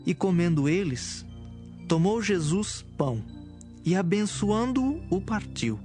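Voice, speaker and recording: A man narrating dramatised scripture from a script, with measured storytelling phrasing. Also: high voice, lively intonation, darkish tone, faint music behind.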